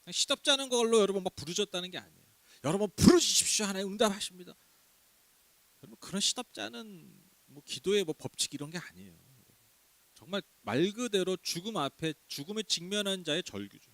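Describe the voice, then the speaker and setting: A man's voice: sits high, big pitch swings, fast talker, sharp tone, no echo. A man preaching a sermon in a conversational way, asking the congregation questions and laughing now and then. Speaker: pastor. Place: small church.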